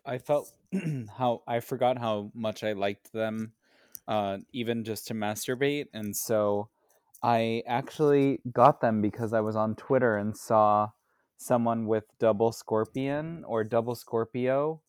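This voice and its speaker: A man's voice: mid-range voice, measured pace, a little mellow, clear, resonant tone, no echo, studio quality. A man co-hosting a podcast in casual conversation. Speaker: podcast co-host. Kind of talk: casual chat.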